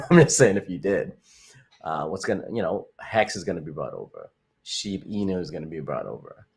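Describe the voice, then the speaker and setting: Deep-voiced Canadian man rambling on a livestream. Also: sing-song, normal speed, creaky, darkish tone, slightly rough. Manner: rambling, upbeat, repeats phrases, frequent fillers. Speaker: crypto livestream host. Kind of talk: casual livestream chat reading viewer comments.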